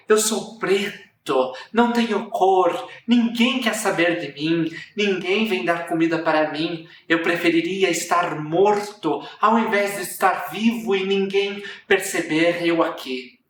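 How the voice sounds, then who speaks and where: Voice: medium pitch, slow pace, few pauses, a little hiss or hum, lightly acted. A Brazilian teacher putting on a gloomy self-pitying crow. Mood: lamenting. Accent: Brazilian Portuguese. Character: sad self-pitying crow who wants to be beautiful. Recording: roomy echo, distant mic.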